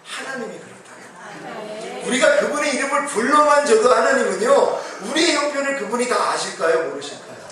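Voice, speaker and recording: A man's voice: expressive, quick pace, hardly any pauses, sharp tone. A middle-aged man preaching a sermon as pastor, telling a personal testimony with emotion and rising to fervent exclamations. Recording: boomy echo, distant mic, faint hiss.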